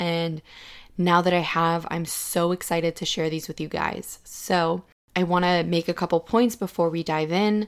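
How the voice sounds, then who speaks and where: The recording is very clean with a silent background. A woman speaks in a fairly low pitch with monotone, flat intonation. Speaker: podcast host and meditation guide. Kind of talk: guided meditation, slow second-person instructions to breathe and visualize. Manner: calm, serene, hushed delivery; slow, unhurried pacing with pauses for breathing.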